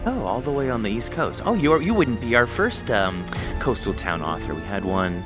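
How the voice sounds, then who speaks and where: A man's voice: mid-range voice, big pitch swings, moderate pace, over music. A man hosting a podcast interview in a conversational, effusive and wordy manner.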